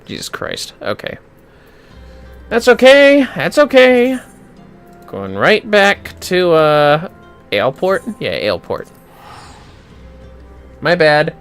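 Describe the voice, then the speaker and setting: A man's voice: sits high, wildly swooping pitch, slow pace, long pauses, a bit bright, clear, resonant tone, faint music behind. A man giving casual, foul-mouthed commentary on a gaming livestream, muttering to himself with playfully theatrical outbursts.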